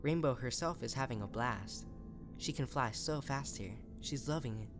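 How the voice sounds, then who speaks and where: A man's voice: mid-range voice, normal speed, over music, pitched above the performer's own voice, close to an everyday voice. A man voicing a deranged, eager, power-hungry female unicorn pony writing letters, in a chirpy, unhinged manner for a horror story. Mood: gleeful.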